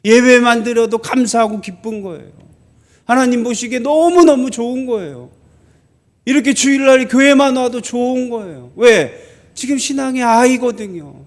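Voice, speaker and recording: Guy pastor giving a sermon in church, pretty high voice, keeps asking the congregation stuff. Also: moderate pace. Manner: conversational preaching, asks the congregation questions. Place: church sanctuary.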